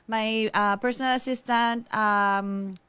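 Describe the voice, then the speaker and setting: A woman's voice: a little high, steady tone, slow, pushed and bright, clear, resonant tone, dry recording. A woman guest singer chatting casually on a talk show, upbeat as she rattles off dates and thank-yous. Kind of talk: casual talk-show chat, plugging shows.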